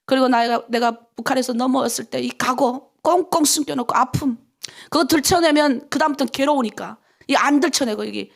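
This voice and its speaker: A middle-aged woman pastor from North Korea leads an early-morning prayer sermon. Her voice sits high with a gravelly, fried edge. She preaches fervently, sinking into hushed whispers and rising into pleading cries.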